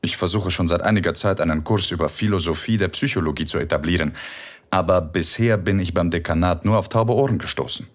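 A man playing a laid-back professor, very deep. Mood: curious. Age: middle-aged. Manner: easygoing, wry, unhurried. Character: relaxed, self-mocking male philosophy professor. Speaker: tutor. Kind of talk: erotic audio drama acting.

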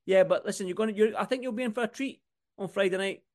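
A man's voice: sits high, fast, darkish tone. A man with a Scottish accent talking casually and ramblingly as a sports podcast host, repeating phrases for emphasis. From Scotland.

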